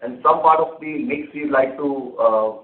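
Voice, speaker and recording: A man's voice: mid-range voice, a little slow. Man on an echoey conference phone line. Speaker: company executive. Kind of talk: answering analyst questions on an earnings call. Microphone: conference call phone line.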